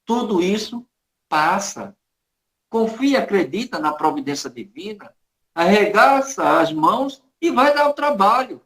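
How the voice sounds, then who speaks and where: A man voicing a wise male spirit guide who calmly and firmly reassures his pupil. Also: high-pitched, measured pace, reverberant, full character voice, rough recording. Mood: firm reassuring. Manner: firm, encouraging.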